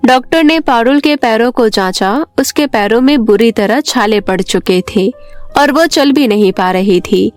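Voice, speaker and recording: A woman narrates an animated bedtime story in a steady, scripted way. Her voice is fairly high. Soft background music sits faintly under her. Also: unhurried.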